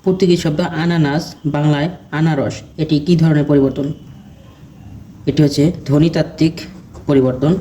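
A man teaching exam preparation, reading out quiz questions and then giving each answer in a steady question-and-answer recitation. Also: a little high, normal speed, slight background noise.

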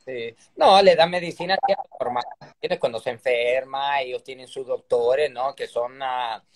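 Speaking at a normal speed in a mid-range voice, a Brazilian Portuguese-accented man in his thirties is the guest on a casual live-stream interview. He's a circus performer on a phone video call from his room at home, chatty and upbeat, often asking "me entiendes?"

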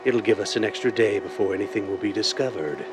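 Man playing a deep-voiced, menacing blind crime boss. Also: natural voice. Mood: cold, commanding. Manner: deliberate, commanding, theatrical. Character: blind, cold, menacing male crime mastermind called the Owl. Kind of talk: 1930s radio drama acting. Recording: noisy vintage-style radio drama recording.

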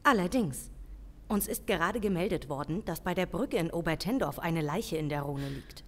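A woman playing a level-headed senior police official in an audio drama, measured, formal and decisive. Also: lowish voice, expressive. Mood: grave, decisive. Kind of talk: German audio drama acting.

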